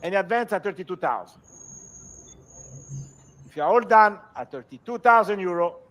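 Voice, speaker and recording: High-pitched male auctioneer calling bids. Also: animated, a bit bright. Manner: auctioneer delivery, repetitive, measured bid calls. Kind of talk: live auction calling with formal lot descriptions and repeated bids.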